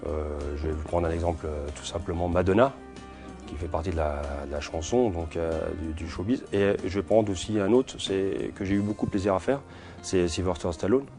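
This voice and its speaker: A man's voice: deep voice, brisk, dark tone, faint music behind. A man in his forties, from Portugal, answering interview questions in a hesitant way, with many fillers and restarts. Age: 40s. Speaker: security company owner.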